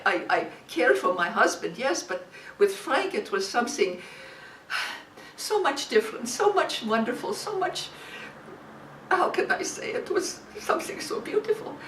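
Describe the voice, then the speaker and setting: A woman playing a widow, high and halting. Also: fairly bright tone, full character voice. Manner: halting, repeats words, searches for English words. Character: German war widow, emotional, broken English. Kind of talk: dramatic monologue. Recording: echoey room, distant mic, faint hiss.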